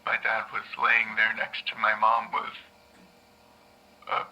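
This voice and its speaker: An actor playing a shaken young man recounting a trauma on a tape recording, halting and stammering, sometimes dropping to a whisper. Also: lowish voice, monotone, sharp tone, lo-fi sound, full character voice. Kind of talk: audio drama narration.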